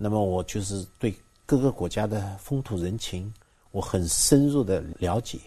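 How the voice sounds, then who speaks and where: Over a quiet background, a man with a fairly low pitch and a dark, mellow, somewhat breathy tone speaks at a moderate pace with lively intonation. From China, Zhejiang (Zhuji). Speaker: painter. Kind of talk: interview.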